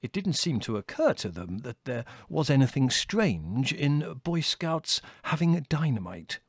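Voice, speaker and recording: A man voicing an earnest, hesitant, scholarly gentleman, full of uhs, in a storybook reading. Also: medium pitch, sing-song, measured pace, husky, no room sound, clean studio sound, exaggerated voice. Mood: proud, hesitant. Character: earnest, proud, scholarly older gentleman with scientific relish. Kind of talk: audiobook character voice.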